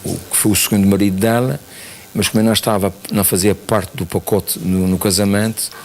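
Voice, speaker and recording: A retired army major in his sixties from São Miguel in the Azores appears as a guest on a TV interview, plainly recounting his life story. His voice sits on the low side, with a steady tone and a fairly quick pace.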